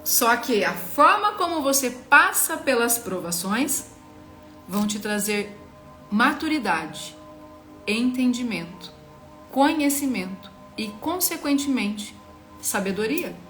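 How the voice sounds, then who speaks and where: A woman's voice: on the high side, sing-song, slow, fairly bright tone, soft background music. Earnest Brazilian woman teaching scripture. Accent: Brazilian Portuguese. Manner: earnest, emphatic, coaching the listener directly. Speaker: Bible devotional teacher. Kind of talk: devotional teaching talk.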